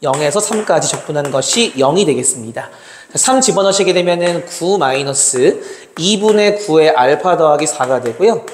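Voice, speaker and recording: A man's voice: a little high, lively intonation, normal speed. A male math tutor working through exam problems step by step, talking calculations aloud and checking in with his students. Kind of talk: exam problem walkthrough lecture. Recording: roomy reverb, faint noise.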